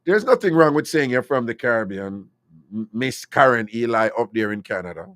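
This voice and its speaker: A man's voice: medium pitch, lively intonation, moderate pace, fairly bright tone, no room sound. A Jamaican man hosting a call-in radio talk show, opinionated and slipping into patois.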